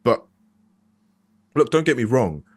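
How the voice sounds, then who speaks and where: A young adult man, an actor appearing as an interview guest, speaks casually and candidly, often restarting sentences as he thinks aloud. His mid-range voice has a darkish, slightly rough tone, with big pitch swings and a slow pace. He comes across as candid and reflective, hesitating and starting over frequently.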